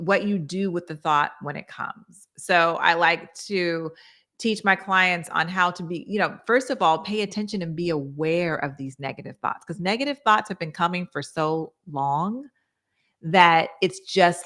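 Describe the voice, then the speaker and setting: A woman's voice: fairly low pitch, sharp tone. A woman therapist co-hosting a mental health talk show, earnestly explaining how she helps clients with everyday examples. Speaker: co-host, therapist.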